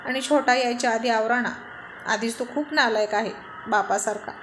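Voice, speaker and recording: A woman's voice: a little high, moderate pace, fairly bright tone, slight background noise, lightly acted. A woman voicing a playful, affectionate young wife who teases and coaxes her husband, read as part of a storybook. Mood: coaxing. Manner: teasing, coaxing.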